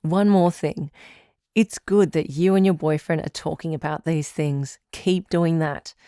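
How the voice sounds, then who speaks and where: A woman playing a calm, caring radio advice doctor who hosts a call-in show in a measured, reassuring way. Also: low voice, smooth, dry recording, studio quality.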